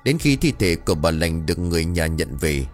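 A man narrating a ghost story, reading it aloud in an expressive way and voicing the characters' dialogue. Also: deep voice, a little fast, faint music behind.

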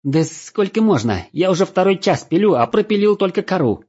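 A man's voice: fairly high pitch, big pitch swings, normal speed, a little mellow, husky, pitched above the performer's own voice. A man doing a whiny, grumbling elf. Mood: irritated. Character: grumbling male elf adventurer, impatient. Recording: dull lo-fi recording.

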